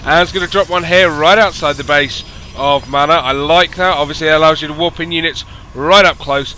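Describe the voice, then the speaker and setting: A man, hoarse from losing his voice, hosting and commentating a strategy game by himself and rising to excited announcing at big moments. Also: on the high side, brisk, slight background noise. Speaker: esports caster and show host.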